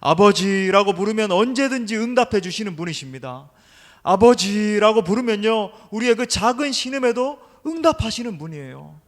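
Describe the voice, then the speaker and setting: Emphatic middle-aged pastor preaching in a reverberant hall. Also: male voice, high-pitched, expressive, normal speed. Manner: emphatic preaching, addresses the congregation directly. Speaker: senior pastor. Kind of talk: sermon. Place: church sanctuary during an evening service. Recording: long reverb of a large hall.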